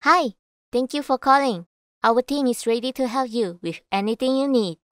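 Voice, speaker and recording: A woman reading scripted voice-over in a measured, clearly enunciated way. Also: fairly high pitch, fairly bright tone, no echo. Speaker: voice actor. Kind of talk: voice-over demo reading of commercials, narration and announcements.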